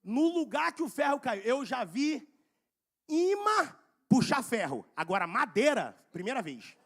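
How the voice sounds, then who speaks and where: A man with a Brazilian Portuguese accent preaching a fiery sermon, moving from soft asides to loud shouting and repeating phrases to the congregation. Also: very high-pitched, big pitch swings, measured pace.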